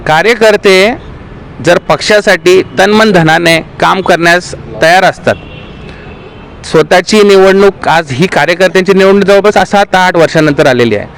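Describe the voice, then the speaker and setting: A man's voice: high-pitched, moderate pace, fairly bright tone, rough recording. A man, a local party official, making an earnest, aggrieved statement to the press and appealing to party workers.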